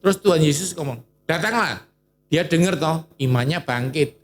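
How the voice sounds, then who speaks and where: A man preaching a sermon in Indonesian churches' lively style, asking the congregation questions and calling on a reader. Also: on the high side, moderate pace.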